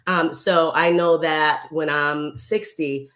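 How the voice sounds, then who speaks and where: A woman's voice: sits low, steady tone, takes it slowly, a bit bright. A woman in her forties on a talk panel, speaking candidly and emphatically and laughing easily. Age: 40s. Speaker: guest panelist. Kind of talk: casual chat.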